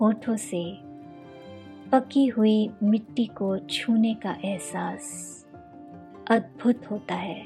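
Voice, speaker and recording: The tone is soothing and calm, with ordinary pitch variation and long, frequent pauses. Music plays in the background. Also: woman, medium pitch for a woman. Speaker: sleep story narrator / voice over artist. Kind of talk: sleep story narration. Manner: slow, soothing, calm.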